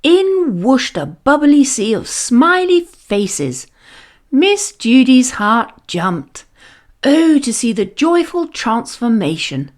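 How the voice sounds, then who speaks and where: A woman reading a children's story aloud with dramatic, expressive narration. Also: sits high. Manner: animated, dramatic, deliberate storytelling.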